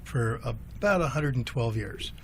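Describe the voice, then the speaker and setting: A man in his sixties, a car broker guest in a radio studio, telling a story in a relaxed, rambling way. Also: mid-range voice, measured pace, slight background noise. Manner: relaxed storytelling, fillers and restarts. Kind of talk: casual interview talk.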